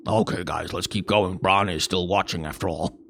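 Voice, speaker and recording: A man's voice: deep voice, steady tone, fairly quick, creaky, fairly bright tone, a little hiss or hum. A man reading fantasy game dialogue aloud in a hammy, theatrical way.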